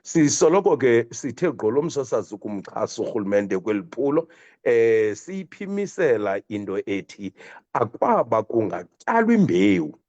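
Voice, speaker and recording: A man with a Xhosa accent giving earnest commentary as a radio guest, halting often as he searches for words. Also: medium pitch, very animated, darkish tone. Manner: halting, with many repeated hesitations. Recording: dull, lo-fi line.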